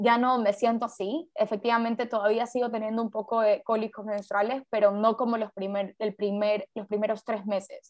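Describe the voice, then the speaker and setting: Against a quiet background, an unremarkable speaking voice moves at a moderate pace with fairly even intonation. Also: woman. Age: 20s. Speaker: podcast host and lawyer. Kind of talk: casual chat.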